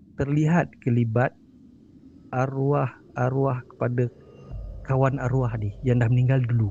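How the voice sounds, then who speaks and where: A man speaks at a fairly slow pace in a dark, mellow, somewhat breathy voice. The sound is dry and close with no echo. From Negeri Sembilan, Malaysia. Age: 40s. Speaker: guest storyteller of horror stories. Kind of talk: storytelling.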